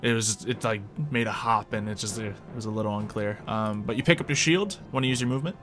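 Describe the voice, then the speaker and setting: A man's voice: on the low side, quick pace, fairly bright tone. A man speaking casually as the game master of a tabletop roleplaying game. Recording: music playing behind the voice. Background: background music.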